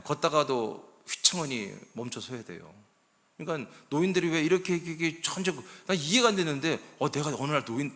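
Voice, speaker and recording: A man in his sixties preaching a sermon as pastor. He talks in a conversational, storytelling way and swings between loud emphasis and hushed asides. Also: mid-range voice. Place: church sanctuary. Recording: long church hall reverb.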